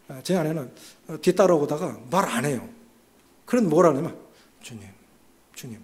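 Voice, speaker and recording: A male pastor giving a sermon in a church, rising for emphasis and dropping to soft, quiet asides. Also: high-pitched. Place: church sanctuary.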